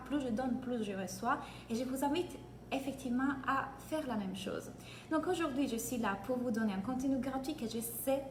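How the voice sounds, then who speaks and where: A woman from Italy with an Italian accent, giving an energetic live-streamed coaching session in French and greeting viewers by name. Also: a little high, a little hiss or hum. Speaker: business coach. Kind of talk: live-streamed free training. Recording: echoey room, faint ambience.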